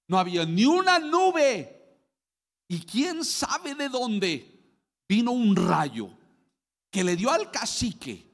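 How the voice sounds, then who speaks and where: A Mexican man preaching a sermon as pastor, dramatic, swinging from loud bursts to low murmurs. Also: long reverb tail.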